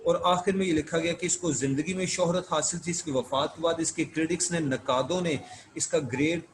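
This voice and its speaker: A man giving an online literature lecture, explaining notes step by step and reading English passages out slowly. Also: a little high, fairly even intonation, slight background noise, rough recording. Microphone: screen-share recording.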